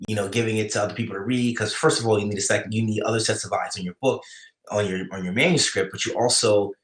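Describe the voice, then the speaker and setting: Low-voiced New York man, rambling. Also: fairly even intonation, fast, a bit bright. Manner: rambling, many restarts, answering chat. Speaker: writer hosting a live writing stream. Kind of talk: casual chat. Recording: echoey room.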